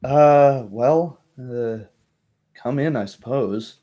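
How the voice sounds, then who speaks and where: A man's voice: mid-range voice, drawn-out words, dull audio. A man voicing an unperturbed, plain-spoken village woman in a tabletop roleplay, in a hesitant, matter-of-fact way. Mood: unperturbed, wary.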